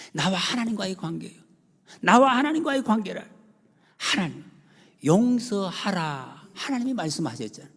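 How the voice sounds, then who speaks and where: A man preaching a sermon as pastor, emphatic, moving between loud exclamations and hushed whispers while he addresses the congregation. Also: fairly high pitch, husky. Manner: addresses the congregation often as "여러분". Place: church sanctuary. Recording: long church hall reverb.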